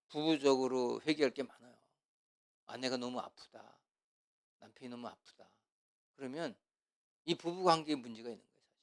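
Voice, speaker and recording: Chatty middle-aged Korean pastor, high voice. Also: male voice. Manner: chatty, asides and laughs, acts out quarrels loudly. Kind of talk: casual church teaching talk.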